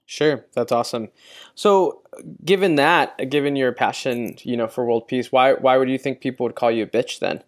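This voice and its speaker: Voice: medium pitch, normal speed. An interviewer asking numbered questions in an upbeat, encouraging manner.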